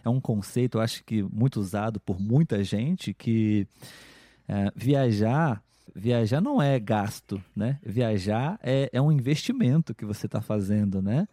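A man with a Brazilian Portuguese accent, hosting a podcast in a relaxed conversational way, thinking aloud with many "né?" tags and restarts. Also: on the low side, measured pace, dry recording, clean studio sound. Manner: thoughtful, with frequent "né?" and restarts. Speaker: podcast host.

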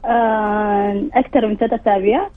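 A woman calling in to a radio show, hoarse from a lingering cold, talking softly and laughing easily. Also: mid-range voice, fairly even intonation, brisk, over a noisy crowd. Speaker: caller. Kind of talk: casual call-in chat. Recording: tinny phone line.

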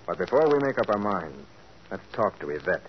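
A calm, shrewd private detective in a 1940s radio drama. His voice sits low but moves a lot as he reasons things out steadily. The sound is a dull old broadcast with a faint hiss. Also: fairly quick, over loud music.

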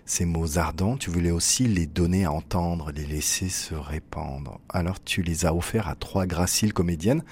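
A man reading a literary first-person text as narrator, in an intimate, measured way. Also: low voice, darkish tone, slight background noise.

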